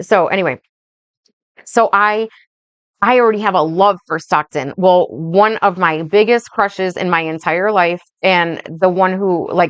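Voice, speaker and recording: Speaking at a fairly slow pace, a woman has an ordinary speaking voice at medium pitch, with ordinary pitch variation and a dry, close sound with no echo. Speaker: spiritual coach and vlogger. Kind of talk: casual vlog monologue.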